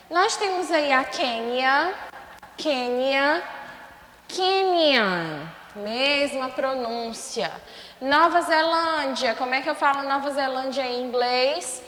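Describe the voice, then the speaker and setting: Slow, bright-voiced Brazilian woman teacher. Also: sits high. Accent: Brazilian Portuguese. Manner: slow, repeats words for students, asks checking questions. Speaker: English teacher. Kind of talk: remote class lesson. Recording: echoey room with long reverb.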